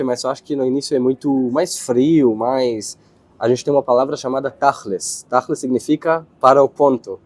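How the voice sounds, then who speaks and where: Hesitant Israeli man, dark mellow voice. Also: mid-range voice, no echo. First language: Hebrew. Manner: hesitant, searching for words, with restarts. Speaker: interviewee. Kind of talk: casual interview answers.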